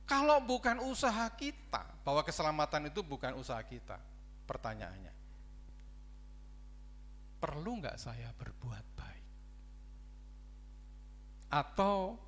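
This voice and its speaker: A man from Indonesia, a pastor preaching a sermon in a church, swinging between loud emphatic lines and quiet ones, calling for an amen. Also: fairly high pitch. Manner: preaching with rising and dropping emphasis, calls for amen. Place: church sanctuary.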